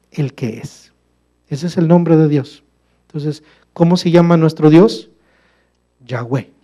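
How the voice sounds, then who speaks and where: In a church, a preacher whose fairly high voice is mellow and warm gives a sermon, asking the congregation rhetorical questions. He calls them brother and alternates emphatic, loud passages with hushed, low asides.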